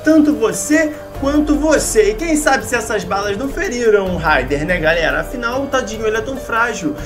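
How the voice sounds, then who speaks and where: High-voiced woman narrating a playful gaming story. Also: expressive, fairly quick. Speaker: host of a gaming video channel. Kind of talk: playful improvised story narration with game characters. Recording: music behind the voice. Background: music.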